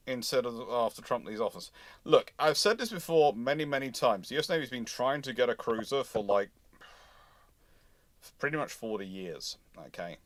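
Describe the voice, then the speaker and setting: A man with a medium-pitched voice hosts a live question session in a conversational, opinionated way. He repeats phrases to drive a point home. The sound is dry, with very little room in it. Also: a bit bright, dry recording. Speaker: host of naval history live stream. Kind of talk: informal live question-and-answer commentary.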